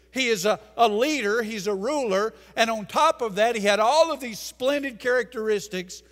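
An older man preaches in a church sanctuary, his voice pitched high for a man. He presses his points hard and slows down on the phrases he wants to land. The sound rings out with a long reverb from the room. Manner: emphatic preaching, slowing for key phrases, gesturing at pulpit. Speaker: pastor. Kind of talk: sermon. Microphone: pulpit mic.

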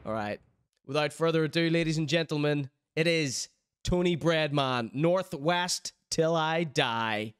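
In an indoor streaming room, a man reacts live to a music video, trading playful hype-man banter with mock-serious critique. His voice is fairly high, unhurried and clean.

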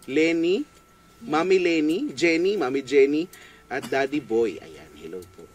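A man's voice: on the high side, animated, measured pace, slight background noise. A man with a Filipino accent working as a radio DJ, bantering and greeting listeners in a giggly, playful way. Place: small radio studio. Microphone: studio boom mic with headphones.

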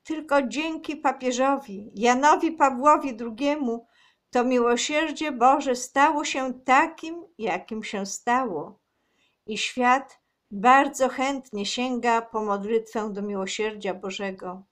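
A woman on her own channel reading a religious book aloud in a slow, measured, earnest way. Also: on the high side, fairly bright tone.

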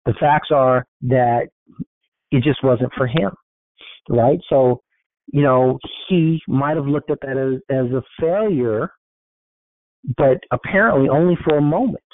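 A man's voice: medium pitch, unhurried, long pauses, no echo. A man giving a casual motivational talk on a group call, rambling and informal, with many fillers and restarts. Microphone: conference call line. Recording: thin, phone-like call audio.

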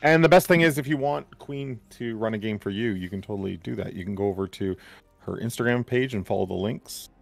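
A man's voice: on the low side, fairly quick, vocal fry, faint music behind. A man hosting a charity game stream on a headset, upbeat and introducing guests. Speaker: stream host. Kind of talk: casual chat.

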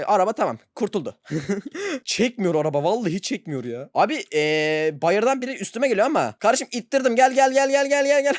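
Man, let's-play commentary, excitable, laughs a lot, bouncy swooping pitch, dry close sound. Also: dry recording. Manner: excitable, laughs often, yelps when surprised. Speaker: gaming channel host.

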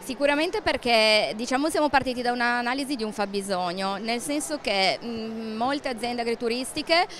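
A woman's voice: a little high, moderate pace, hardly any pauses, fairly bright tone, a little hiss or hum. A young woman interviewed at a fair stand, hesitating and searching for words as she explains, speaking into a handheld mic. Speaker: interviewee, training manager. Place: indoor exhibition stand at a book fair.

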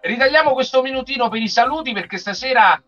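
A man's voice: extremely high pitch, animated, fast talker, a bit bright. A middle-aged man hosting a casual watch-along on a video call, chatting and joking. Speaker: host of a group livestream. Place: room at home. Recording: dull compressed stream, music behind.

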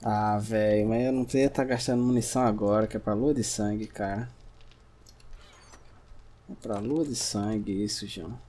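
A man from Brazil giving casual gameplay commentary, chatting to himself and his viewers, sometimes breaking into sudden shouts. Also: lowish voice, fairly even intonation, moderate pace, long pauses. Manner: chatty, talks to himself and the audience, bursts into shouts at scares. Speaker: gameplay streamer.

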